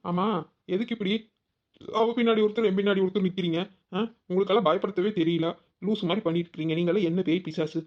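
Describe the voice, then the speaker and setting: A woman voicing a bold, sharp-tongued young village wife, in a cartoon. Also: mid-range voice, fairly even intonation, fast, natural voice. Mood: indignant. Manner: scolding, sassy. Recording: dull lo-fi audio.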